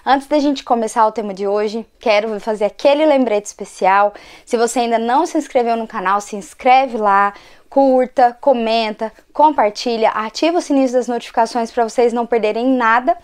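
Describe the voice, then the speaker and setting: A hoarse woman, fighting a cold, giving a conversational educational talk to her channel as an occupational therapist. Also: fairly high pitch, normal speed. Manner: conversational, frequent tag questions.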